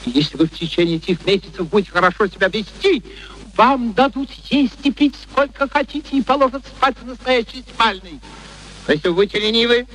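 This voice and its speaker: An actor playing an excitable, imperious professor who cajoles and commands theatrically in a vintage radio play. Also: male voice, extremely high pitch, full character voice, poor audio. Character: domineering, excitable, eccentric male professor. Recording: old radio recording with faint noise.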